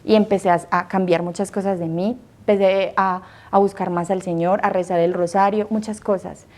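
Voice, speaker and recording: A woman's voice: mid-range voice, fairly even intonation, moderate pace, a little mellow. A woman in her thirties from Colombia, a nun telling her personal vocation testimony with earnest emotion, acting out her own past words.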